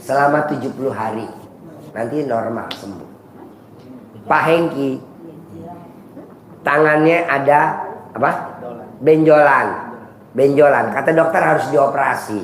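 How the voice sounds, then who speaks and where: A man hosts a live advice session, teasing his audience with crude jokes and calling people "Bos". His mid-range voice is unhurried, with frequent pauses. The room is echoey with faint ambience, and there's slight background noise.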